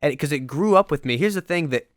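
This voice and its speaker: Young guy gushing about a cartoon, keeps restarting, smooth clear voice, dead dry sound. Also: quick pace, no echo. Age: young adult. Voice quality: higher voice. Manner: excitable, rambling with many restarts. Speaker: podcast co-host. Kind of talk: casual chat.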